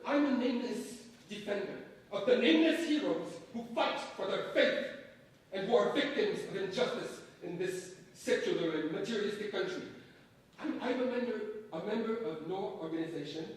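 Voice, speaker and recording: An actor playing a fanatical young gunman in a dramatic staged reading, mock-polite and bullying. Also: high-pitched. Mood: mock-polite, tense. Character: fanatical young male gunman menacing a professor. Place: theatre space at a staged reading. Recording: echoey hall, distant mic, faint noise.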